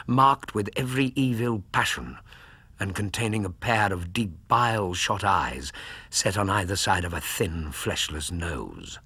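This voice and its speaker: A steady doctor narrates and comments in a hushed way. His voice is low and very husky, recorded dry and close. It suits a radio drama. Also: no room sound, heavily acted. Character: solid, concerned male doctor and narrator.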